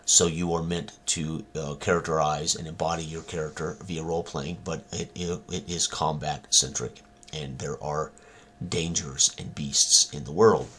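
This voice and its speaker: Man, very low voice, bright and husky, halting, lots of ums. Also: fairly even intonation. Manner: halting, many ums and uhs. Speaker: tabletop game designer. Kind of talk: casual talk presenting his own game.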